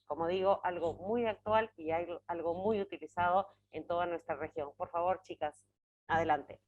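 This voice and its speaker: A woman's voice: fairly low pitch, moderate pace. A woman moderates a conference, speaking spontaneously and often repeating or rephrasing her words as she introduces and guides presenters. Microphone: video call. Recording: slightly dull online call.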